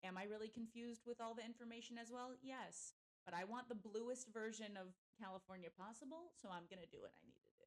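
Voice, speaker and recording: A woman with an American accent talks at a very fast pace in an animated tone, her fairly high pitch showing ordinary variation and her loudness swinging widely. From Florida. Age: 20s. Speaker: podcast co-host. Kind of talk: casual chat.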